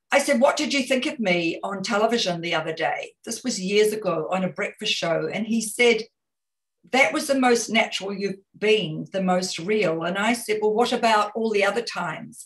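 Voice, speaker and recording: With a New Zealand accent, a woman talks at a moderate pace, fairly high in pitch and lively in intonation. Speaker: communication consultant. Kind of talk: webinar talk. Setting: video call. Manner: natural, conversational.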